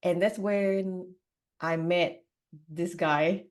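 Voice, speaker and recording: With a fairly low, steady voice and drawn-out words, a woman from Singapore candidly relates her life story as a podcast guest. Her talk wanders conversationally and is full of "you know" and "like."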